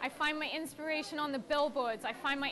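Using a raised, projected voice, a woman with a southern English accent speaks at a high pitch. Noticeable background noise is present. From England (Brighton). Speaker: hairdresser, cosmetology student. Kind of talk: competition audition video to camera. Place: shop.

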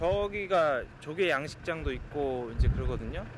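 Loud background noise surrounds a man whose voice is recorded dry, with no echo. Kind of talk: interview answer. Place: waterside.

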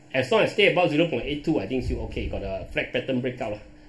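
A man speaks at medium pitch and a fairly quick pace, with a Malaysian accent. His pitch swings very widely. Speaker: stock trading youtuber. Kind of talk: market analysis commentary. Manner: halting, many fillers. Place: home room.

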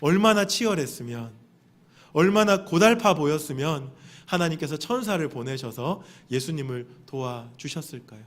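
Delivered at a moderate pace with lively intonation, this is a plain, everyday voice. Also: man, fairly high pitch for a man. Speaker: pastor. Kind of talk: sermon. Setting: church.

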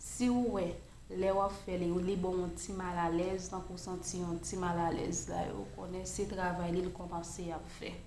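A woman speaks at a moderate pace with a fairly low pitch, in a monotone, flat intonation and with hardly any pauses. Light background noise and audible room echo are present. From Haiti. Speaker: YouTuber giving home remedy tips. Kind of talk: tutorial. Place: home room. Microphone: webcam.

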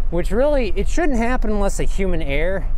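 The man's voice sounds dry with no echo, over light background noise. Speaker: cycling vlogger. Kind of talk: casual vlog chat. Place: bicycle. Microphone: phone near.

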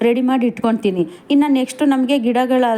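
Noticeable background noise sits behind a woman whose high voice keeps a fairly even intonation. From rural Karnataka, India. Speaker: gardening vlogger. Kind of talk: casual vlog tutorial.

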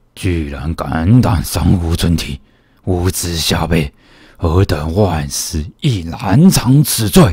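Someone talks in a put-on character voice at a very slow pace. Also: man, very deep, low pitch for a man. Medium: dub. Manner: menacing, imperious.

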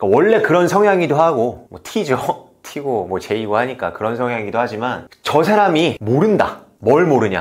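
A man's pitch swings very widely as he talks at a moderate pace against a quiet background. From Seoul, South Korea. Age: 30s. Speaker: real estate investor and educator; educator. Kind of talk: casual talk to camera. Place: studio.

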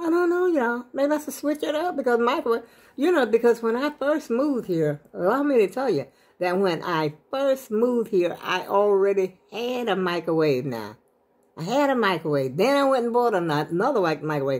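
Her pitch rises and falls very widely. The woman keeps a moderate pace. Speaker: home vlogger. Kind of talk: casual vlog chat. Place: home room. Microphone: phone near.

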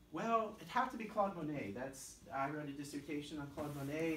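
Audible room echo and light background noise around a man speaking at a moderate pace. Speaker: teacher. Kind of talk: interview answer. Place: classroom. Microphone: camera far.

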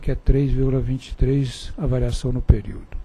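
Here a man talks in a flat monotone. His voice sits at a medium pitch. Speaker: regulatory agency director. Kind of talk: formal report reading.

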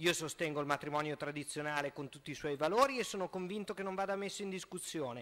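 The speaker is a man. He sounds bright and sharp in tone. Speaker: council member. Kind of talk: formal political speech. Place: hall. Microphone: podium.

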